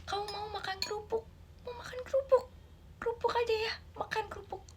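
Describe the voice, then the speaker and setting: A woman's voice: extremely high pitch, fairly even intonation, brisk, voice pushed up. A woman voicing an exhausted mother who tearfully guilt-trips her child, half-whispering, over a noisy mic.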